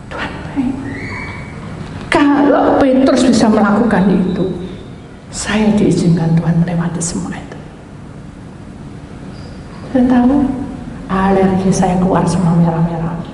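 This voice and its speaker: A woman pastor preaches, telling her story with animated, acted-out dialogue. Her voice rings through a very echoey hall with a long reverb tail. Faint room noise sits behind her. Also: medium pitch. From Indonesia. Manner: animated storytelling, acts out quoted dialogue, mixes in Javanese. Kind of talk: sermon.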